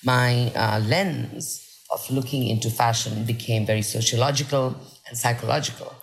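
A woman from Nepal who grew up in India, a journalist and podcast guest, telling her story in an articulate, animated way. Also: very deep voice, moderate pace, low-quality recording. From Nepal, raised in India. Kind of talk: casual conversational interview.

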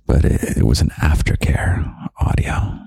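A young man hosting a podcast of gentle, half-whispered comfort talk, slow and soft with quiet chuckles, close to the microphone. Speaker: podcast host.

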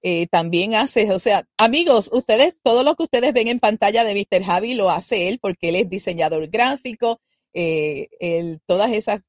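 A woman's voice: medium pitch, no room sound, studio quality. Effusive woman hosting a talk show. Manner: warm, effusive praise. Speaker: host. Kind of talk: live talk show interview.

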